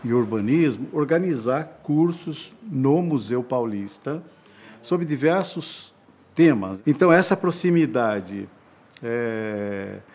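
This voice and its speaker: A man, a museum historian, explaining his career in a measured tone in a documentary interview. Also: medium pitch, lively intonation, darkish tone, slightly rough.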